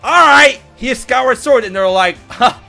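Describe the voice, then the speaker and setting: A man hosting a casual gaming chat, excitable and talking fast when heated, stumbling and repeating words as he goes. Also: very high voice, creaky, faint music behind. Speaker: podcast host.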